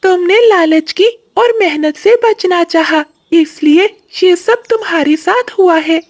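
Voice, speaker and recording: A woman voicing a friendly, chatty male parrot in a cartoon. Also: measured pace. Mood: scolding. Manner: excited, squeaky.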